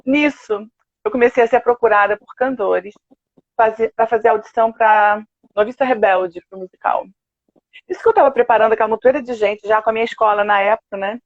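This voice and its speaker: An older woman with a Brazilian Portuguese accent, a singer telling stories with lively quoted asides in a casual interview. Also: fairly high pitch, a little fast, dry recording. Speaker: guest, opera and musical theatre singer. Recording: dull, dry video-call audio.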